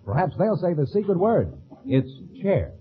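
A man's voice: high-pitched, sing-song, normal speed. A man working as a radio announcer, reading in a polished, salesmanlike mid-century style. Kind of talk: 1950s radio announcing and sponsor copy. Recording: muffled vintage radio recording, faint music.

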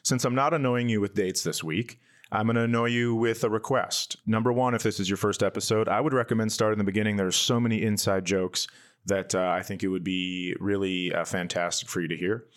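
A man with a fairly low voice hosts a comedy podcast. He talks in loose, casual banter with a playful, crude sense of humor. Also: steady tone, brisk. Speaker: podcast host.

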